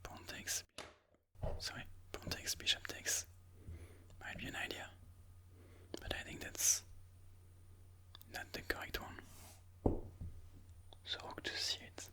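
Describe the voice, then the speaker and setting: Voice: slow pace, pauses often, pushed and bright. A person whispering breathily in an ASMR style, musing aloud move by move as they comment on their own chess game.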